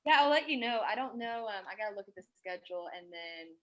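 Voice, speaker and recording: A woman's voice: medium pitch, lively intonation, fast, dull audio. A woman talking casually and informally about plans in an online group meeting. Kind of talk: casual chat. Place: online video call.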